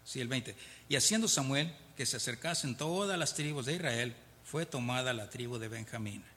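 A man's voice: medium pitch, expressive, moderate pace, sharp tone. A man teaching a Bible study in a conversational way, reading verses aloud and explaining them, often checking in with his listeners. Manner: conversational, often asks "¿verdad?", chuckles between points. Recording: reverberant hall.

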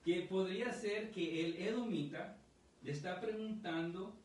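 A man's voice: high voice, measured pace. Distant echoey male preacher. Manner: conversational, asks "¿no?" often. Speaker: pastor. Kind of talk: Bible teaching sermon. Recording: echoey room, distant mic, faint ambience.

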